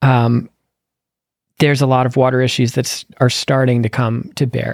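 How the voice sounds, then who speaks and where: With an American accent, a man talks at a moderate pace and medium pitch in a monotone, flat intonation, the sound dry and close with no echo. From Philadelphia. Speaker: podcast host. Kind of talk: interview conversation.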